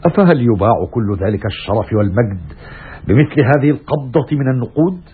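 An actor playing a stern, righteous Roman commander, declaiming with scornful anger in classical Arabic radio theatre style, with a husky voice. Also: male voice, medium pitch, lively intonation, fast. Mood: stern reproach. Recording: muffled, raspy, phone-like old radio recording.

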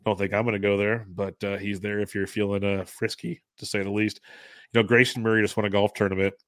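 A man's voice: fairly low pitch, flat delivery, fast, no room sound. A man co-hosting a casual sports podcast, talking loosely while sick. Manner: loose, rambling, chuckles often. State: sick, under the weather. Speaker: podcast co-host. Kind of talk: casual sports betting chat.

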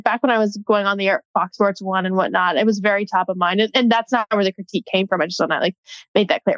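A woman sports reporter chats through an interview, easygoing and quick to laugh. Her voice comes through a slightly dull, lo-fi line. The sound is close and dry. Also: medium pitch, dry recording. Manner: chatty, many "like" fillers, laughs easily. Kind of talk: casual interview chat.

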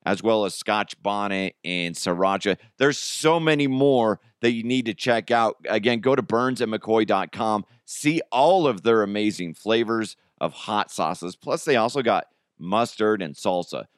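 A man's voice: on the low side, expressive, a little slow, hardly any pauses, smooth, no room sound, clean studio sound. A man with an American accent hosting a podcast, talking in an informal, slangy, conversational way. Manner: chuckles through his own remarks. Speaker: podcast host. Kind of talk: casual solo comedy podcast chat.

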